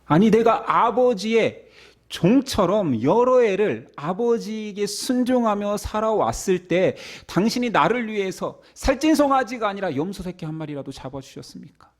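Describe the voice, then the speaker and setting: Man voicing bitter elder son, aggrieved and protesting, lively rising and falling pitch, slightly high voice. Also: normal speed, vocal fry. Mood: indignant. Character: indignant resentful elder son, grown man.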